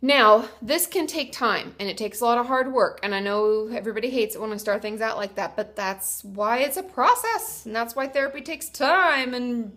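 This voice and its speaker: A woman's voice: on the high side, normal speed, few pauses, a bit bright. A young woman therapist with a congested, stuffy voice from a cold. She sounds a little tired as she talks through viewer questions and reads them out in a friendly, explaining way. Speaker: therapist and video host. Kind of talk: casual advice talk to camera.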